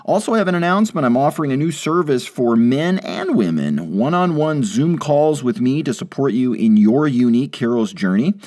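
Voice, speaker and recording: A man's voice: mid-range voice, very animated, normal speed, hardly any pauses, darkish tone. A man hosting a podcast, delivering a scripted introduction and announcements straight to his listeners. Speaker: podcast host.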